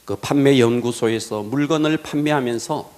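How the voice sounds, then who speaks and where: A man's voice: medium pitch, normal speed. A male pastor preaching a sermon, telling illustrative stories and letting his sentence ends fall to a whisper. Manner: animated delivery, drops to a whisper at sentence ends; tells illustrative stories to the congregation.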